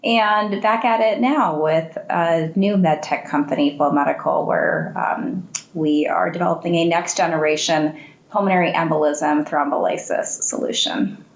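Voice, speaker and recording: Slightly hoarse low-voiced businesswoman, echoey room. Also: moderate pace. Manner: fluent, businesslike, laughs easily. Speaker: startup CEO guest. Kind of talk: podcast interview answers.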